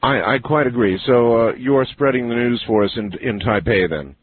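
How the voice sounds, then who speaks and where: A man hosting a late-night call-in radio show, speaking with a smooth radio host delivery. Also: mid-range voice, normal speed. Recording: phone-like lo-fi broadcast with faint hiss.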